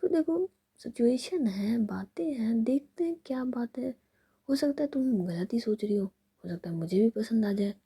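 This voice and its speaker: A woman's voice: fairly high pitch, expressive, normal speed, dark tone, breathy edge, exaggerated voice. A woman voicing a playful, doting young woman in love, pleading and coaxing in a whispered role-play.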